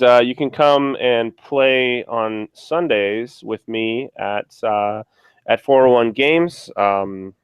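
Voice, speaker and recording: A man hosting a casual podcast chat about a tabletop game, relaxed and rambling, with many fillers and restarts. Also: fairly low pitch, clean tone, dry recording. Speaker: podcast host.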